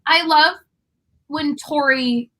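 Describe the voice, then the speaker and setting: A woman's voice: sits high, slow pace, pushed and bright. A young American woman co-hosting a casual book chat, gushing and playfully dramatic. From United States. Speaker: co-host of a book discussion live stream.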